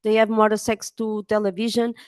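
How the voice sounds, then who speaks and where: A Portuguese-accented woman speaking English as a second language, a journalist giving a halting conference talk full of fillers. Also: medium pitch, level tone, darkish tone, clean tone, no echo, studio quality. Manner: hesitant, many pauses and fillers. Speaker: journalist and editor.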